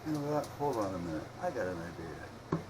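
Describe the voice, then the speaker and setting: A man chatting casually and rambling as he thinks out loud while doing hobby radio repair. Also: low-pitched, big pitch swings, a little fast. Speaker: hobbyist radio repairer showing his work. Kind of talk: casual unscripted vlog chat while working. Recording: clearly noisy hobby video recording.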